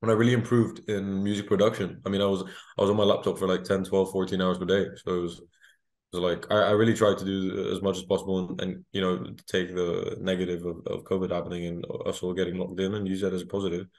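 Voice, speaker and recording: A teenage man from Greece chatting as a guest on a video-call interview, talking in quick, animated bursts with many restarts. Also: low voice. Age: teens. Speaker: guest singer. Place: small room indoors. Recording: echoey room on video call.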